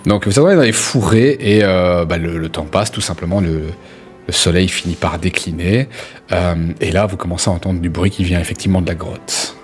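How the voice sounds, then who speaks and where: A man's voice: low-pitched, brisk, faint music behind. Joking man running a tabletop game. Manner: joking, informal. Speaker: game master. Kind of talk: casual tabletop game narration.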